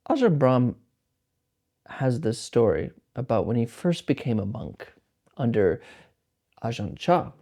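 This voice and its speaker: A man teaching meditation, telling a story in a relaxed, conversational way with frequent fillers and restarts. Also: medium pitch, vocal fry. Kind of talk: casual storytelling talk.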